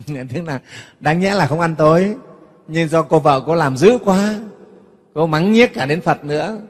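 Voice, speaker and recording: A man's voice: fairly high pitch, a little slow, big-room sound. A man giving a Buddhist sermon, talking to his audience in a conversational way and often asking if they follow. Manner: conversational, keeps asking "nghe không?" to the audience. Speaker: Buddhist monk giving a dharma talk.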